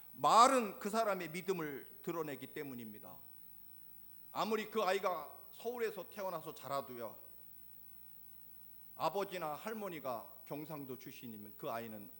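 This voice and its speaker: A middle-aged man preaching with a Chungcheong Korean accent. His pitch rises and falls widely, and his voice sits somewhat high for a man. He swings between loud, emphatic lines and quiet, dropped endings. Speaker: pastor. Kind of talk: sermon.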